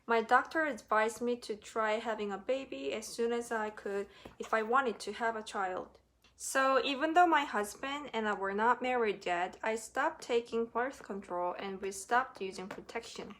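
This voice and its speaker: A woman tells her own faith story to the camera. She speaks earnestly and from the heart, in a voice pitched a little high. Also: fairly bright tone, slight background noise. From South Korea. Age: 30s. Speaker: vlogger. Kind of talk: personal faith testimony.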